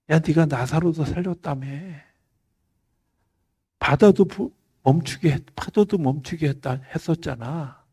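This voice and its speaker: A man's voice: on the high side, dark tone, breathy edge, pitched above the performer's own voice. A man voicing a scornful man in a crowd who jeers, in a raised, sneering, taunting tone.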